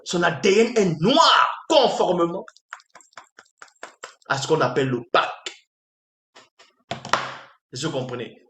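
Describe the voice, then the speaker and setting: A man's voice: a little high, fairly bright tone. A man preaching a monologue in an emphatic, repetitive way, often firing rhetorical questions at his listeners. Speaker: spiritual teacher. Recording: roomy echo.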